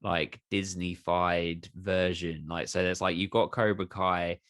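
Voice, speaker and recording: A man hosting a podcast, asking questions in an earnest, musing way and building them up slowly. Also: deep voice, flat delivery, a bit bright, no room sound, clean studio sound. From United Kingdom. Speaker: podcast host. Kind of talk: casual interview chat.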